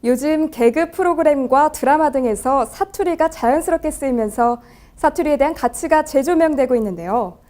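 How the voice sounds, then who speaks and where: A woman's voice: sits high, animated, moderate pace, warm tone. A woman news anchor introducing stories in a polished, formal way.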